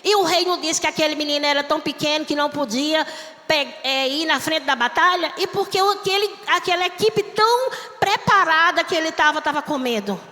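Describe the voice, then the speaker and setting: A woman missionary, preaching in a church with a repetitive, impassioned cadence that rises to shouts. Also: high voice, brisk. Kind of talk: Pentecostal-style sermon. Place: church sanctuary. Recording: long church hall reverb.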